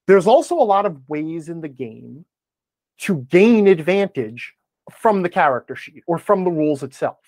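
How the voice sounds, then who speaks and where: A man speaking as a podcast guest, giving opinionated, emphatic explanations in conversation and often checking in with a quick okay or right. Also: a little high, very animated, a little mellow, no room sound. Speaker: podcast guest, game design commentator.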